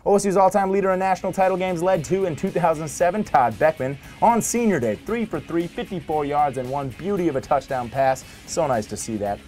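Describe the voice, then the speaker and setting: A man reading a scripted sports highlights voice-over in a punchy, wry manner packed with statistics. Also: a little fast, hardly any pauses, a little mellow. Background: music bed under the voice.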